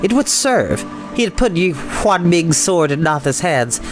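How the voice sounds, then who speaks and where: A man reading an adventure novel aloud as a storyteller, in expressive, dramatic narration. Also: on the high side, unhurried. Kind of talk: dramatic audiobook-style narration. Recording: music behind the voice. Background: background music.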